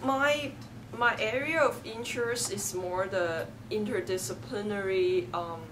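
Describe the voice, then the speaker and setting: A woman's voice: medium pitch, a little slow, noisy background. A woman in her twenties from Hong Kong, with a Hong Kong English accent and Cantonese as her first language, reading a passage aloud and then answering interview questions with fillers and self-corrections. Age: 20s.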